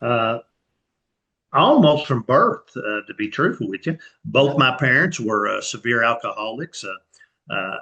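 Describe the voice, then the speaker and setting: A man with a Kentucky accent at a fairly slow pace. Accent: Kentucky Southern. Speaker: recovering alcoholic, author and comedian. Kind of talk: interview testimony. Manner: halting, many fillers.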